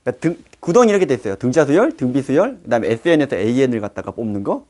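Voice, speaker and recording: Lively man teaching math. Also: mid-range voice, racing. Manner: lively, acts out students' voices. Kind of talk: lecture to fellow teachers. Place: classroom.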